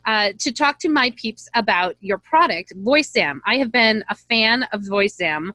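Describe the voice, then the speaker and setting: Upbeat woman host with a higher voice. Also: animated, measured pace, bright, forceful tone, no echo. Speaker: host and voice talent. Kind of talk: conversational interview.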